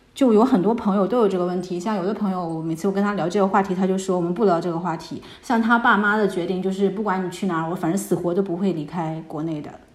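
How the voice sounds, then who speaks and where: Someone speaks at a very fast pace with hardly any pauses and fairly even intonation. Audible room echo and noticeable background noise fill the recording. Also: woman, medium pitch for a woman. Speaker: immigrant parent in Australia. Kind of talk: casual chat.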